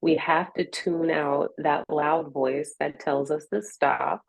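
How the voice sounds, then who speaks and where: A woman's voice: deep voice, fairly even intonation, takes it slowly, creaky, husky, no echo. An American woman in a reflective interview conversation, speaking in an earnest, encouraging way. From Richmond, United States.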